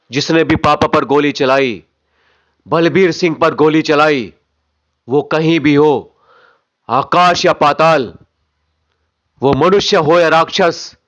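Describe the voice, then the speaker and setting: Man acting out a forceful, vengeful son. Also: on the high side. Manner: forceful, slow, emphatic delivery. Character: vengeful son vowing to avenge his shot father. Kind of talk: dramatic film monologue.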